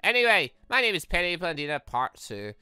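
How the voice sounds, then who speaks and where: A gaming host with a bright, forceful voice and very lively pitch. The commentary rambles and breaks off into exclamations, recorded close and dry. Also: fairly quick, smooth, dry recording. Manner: exclamatory, rambling, self-interrupting. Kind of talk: playthrough commentary with read-aloud dialogue.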